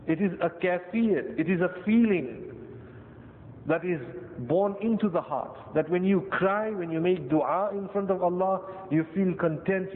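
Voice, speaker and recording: A man with a South Asian accent giving a Muslim sermon, deliberate, in short phrases with pauses and repetition. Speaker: Muslim preacher. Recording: tinny band-limited echoey hall, rumbly noise.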